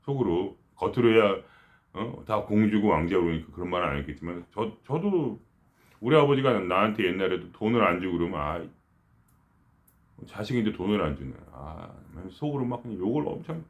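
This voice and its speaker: A middle-aged man giving a casual spiritual talk, rambling and conversational, with frequent restarts and quiet murmured asides. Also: fairly low pitch, expressive, fairly quick. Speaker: spiritual teacher.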